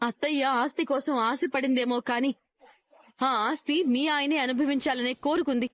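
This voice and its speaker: An actress playing a righteous young daughter-in-law in a TV serial, speaking firmly and accusingly. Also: female voice, high voice, steady tone, moderate pace, a bit bright, no echo. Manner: accusing, firm and threatening. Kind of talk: TV serial acting.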